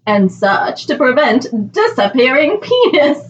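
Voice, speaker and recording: Bright-voiced young woman sharing odd facts. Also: high-pitched, big pitch swings, unhurried, recorded from a distance. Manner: chatty, laughing presenter of odd facts. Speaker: podcast co-host. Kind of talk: casual chat. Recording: dull, slightly noisy podcast recording.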